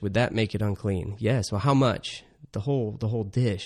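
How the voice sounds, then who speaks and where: Against a quiet background, a man with a fairly low pitch speaks at a very fast pace with ordinary pitch variation. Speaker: podcast host. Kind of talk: casual interview. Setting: video call with guest. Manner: jokey, chatty.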